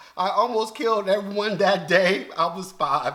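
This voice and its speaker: A man speaks in a raised, projected voice at a moderate pace. Noticeable background noise runs behind him. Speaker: YouTuber reading viewer comments. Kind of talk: comedic comment reading. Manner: animated.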